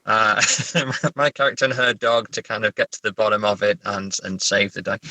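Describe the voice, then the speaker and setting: A man from England chatting casually as an interview guest, halting and self-correcting, with a wry way of telling stories. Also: fairly low pitch, level tone, pushed and bright, dry recording, rough recording. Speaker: horror novelist and therapist guest. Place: sitting in a parked car.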